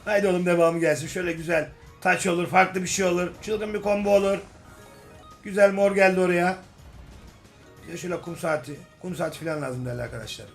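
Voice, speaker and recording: A young man giving casual, joking commentary while playing slot games, swinging from grumbling to excited hype. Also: high-pitched, fast talker, gravelly. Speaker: slot game streamer. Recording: faint music behind voice. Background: faint game music.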